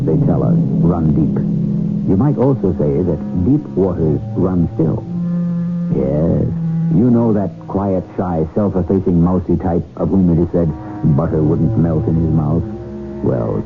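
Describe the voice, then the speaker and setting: A man narrating and hosting a 1970s radio mystery in a wry, measured manner, heard over an AM radio broadcast. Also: low-pitched, narrow, tinny audio. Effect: AM radio sound. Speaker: host narrator.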